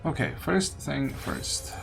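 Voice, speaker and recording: Male gaming host, mid-pitched, hesitant think-aloud delivery in casual commentary, prominent game music underneath. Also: wildly swooping pitch, slow, gravelly. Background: video game music.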